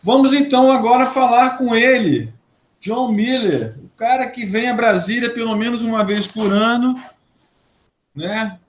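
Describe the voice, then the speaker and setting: A man hosting a live online panel, welcoming guests with encouraging, drawn-out phrases. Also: high voice, reverberant, a little hiss or hum. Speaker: host, live-stream mediator. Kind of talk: casual online panel chat.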